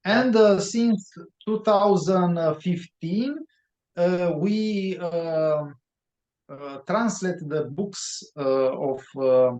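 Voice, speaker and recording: A Romanian man with a Romanian accent, answering interview questions in English with many pauses and fillers. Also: sits high, darkish tone. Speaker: guest author. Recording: roomy, dull lo-fi sound.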